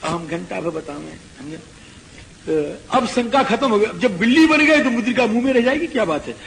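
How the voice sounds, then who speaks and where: High-voiced male scripture reciter. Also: fairly quick, gravelly. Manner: chants verses then explains them in a lively, rhetorical way. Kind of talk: devotional scripture discourse. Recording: long hall reverb, faint background noise.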